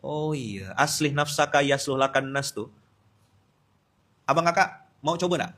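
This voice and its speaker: Casting: male preacher with a Pontianak Malay accent, crisp and forceful tone, lively teasing sermon delivery, loud bursts then low asides. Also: a little slow. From Indonesia. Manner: lively, teasing, switches between loud outbursts and quiet asides. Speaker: Islamic preacher. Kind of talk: dawn study-circle sermon.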